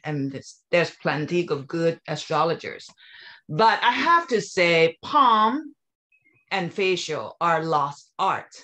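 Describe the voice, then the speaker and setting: Effusive woman host with a lowish voice. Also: pushed and bright. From born in Thailand. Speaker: interview host. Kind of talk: casual conversational interview. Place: video call.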